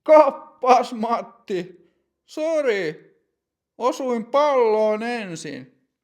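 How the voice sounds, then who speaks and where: A man voicing a gruff, cocky male defender who talks in a brash, taunting way in an audio story lesson. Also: very high-pitched, lively intonation, pitched above the performer's own voice.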